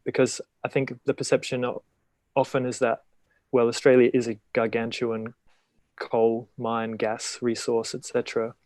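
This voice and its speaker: A man's voice: mid-range voice, monotone, normal speed, a little mellow, dry recording. A man hosting a live-streamed video-call interview, speaking steadily with some fillers. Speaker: interview host.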